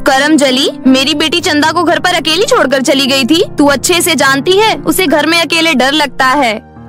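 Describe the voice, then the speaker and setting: A cruel cartoon stepmother, acted by a woman with a high voice. She nags and scolds with bitter sarcasm and a sharp tongue. Faint music sits underneath. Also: moderate pace. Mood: angry. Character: harsh, bitter, scolding middle-aged stepmother. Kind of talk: cartoon moral story dialogue. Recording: faint music bed behind voice.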